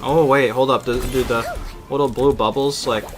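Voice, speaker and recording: A man streams a game with casual commentary. His voice is mid-pitched, and clear game music plays behind it along with keyboard clicks. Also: steady tone, moderate pace.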